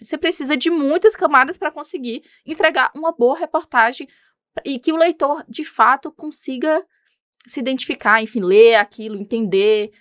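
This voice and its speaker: A woman's voice: sits high, a bit bright, no room sound, clean studio sound. A young woman with a regional Brazilian accent, a reporter talking as a podcast guest, emphatic and indignant. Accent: Brazilian Portuguese, regional. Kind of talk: casual interview talk.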